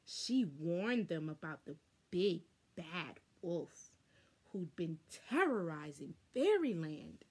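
A young adult woman reading a children's story aloud expressively, with deliberate, dramatic emphasis, recorded indoors on a camera a short distance away. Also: mid-range voice, darkish tone, husky. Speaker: storybook reader. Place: small furnished room indoors.

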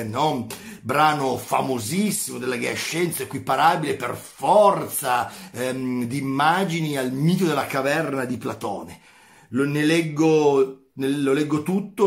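A man's voice: mid-range voice, vocal fry. A man teaching philosophy in a video lesson, emphatic and repeating phrases for stress.

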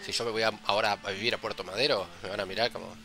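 A man's voice: lowish voice, fairly even intonation, rapid-fire, vocal fry, sharp tone. A man with an Argentine Rioplatense accent co-hosting a podcast in casual, joking chat, constantly tossing in "viste". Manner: loose, joking, peppers talk with "viste". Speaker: podcast co-host.

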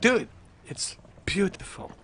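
A man's voice: slow, fairly bright tone, a little hiss or hum. A man in his thirties streaming a game from home into a headset mic, joking, teasing his chat and swearing as he plays. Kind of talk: casual gameplay commentary. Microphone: headset with large foam mic.

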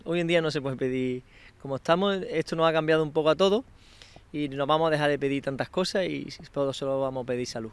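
A man's voice: a little high, fast, clean tone. A man in his thirties, a chef and restaurant owner, explaining his work plainly in an outdoor interview. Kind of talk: casual interview. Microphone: handheld microphone.

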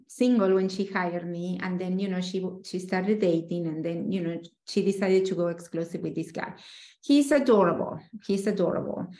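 A woman in her forties, a dating coach hosting, talking animatedly on a video call. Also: medium pitch. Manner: animated, gestures widely. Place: room with a painting, indoors. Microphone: video call webcam. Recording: echoey room.

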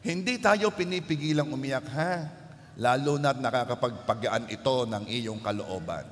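A man's voice: mid-range voice, animated, normal speed. A man preaching a sermon as pastor, building to emphatic, rising passages and slipping English phrases into his talk. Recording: long church hall reverb.

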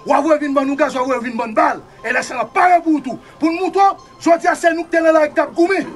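A Haitian man speaking in a strikingly high voice as a panel guest on a talk show. He argues fervently, repeats himself and now and then pushes up to a shout. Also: steady tone, fairly quick. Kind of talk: impassioned political talk.

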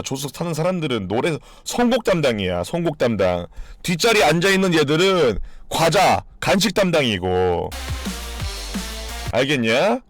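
A game streamer, a man, talks loosely to his viewers with a lively, swooping delivery. He swears often and bursts out loudly now and then. Faint music plays behind him. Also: medium pitch. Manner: swears freely, jokes with chat, sudden loud outbursts. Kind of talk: casual live-stream chat.

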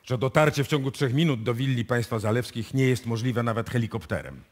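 An actor playing a methodical, probing police inspector in a live radio play. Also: male voice, mid-range voice, lightly acted. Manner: deliberate, probing.

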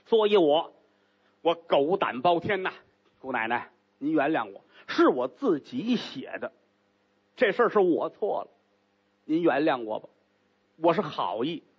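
A man's voice: a little high, very animated, a little slow, pauses often, husky, muffled recording, exaggerated voice. A man voicing a nervous male opera actor who stammers and pleads, in a storytelling act. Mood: flustered, pleading.

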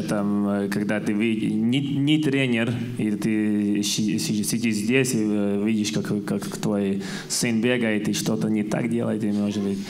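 Low-voiced man with a Latvian accent. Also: vocal fry, darkish tone. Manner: hesitant, searching for words. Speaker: panel guest, basketball coach. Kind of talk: halting interview answers in a second language. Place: stage in a church hall. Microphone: handheld microphone.

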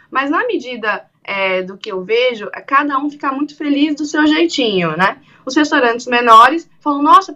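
A woman in her thirties, an event organizer, speaking animatedly on a video call during an interview. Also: sits high. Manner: animated, acts out quoted dialogue. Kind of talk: remote interview on radio-TV news show. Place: small room indoors. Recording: dull lo-fi video call audio.

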